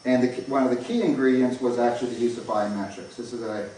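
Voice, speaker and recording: A North American man speaks at an academic conference, giving an informal lecture in an echoey indoor room picked up by a distant mic with faint noise. His mid-range voice is steady and dark-toned, and he talks fast, explaining points and often stressing phrases.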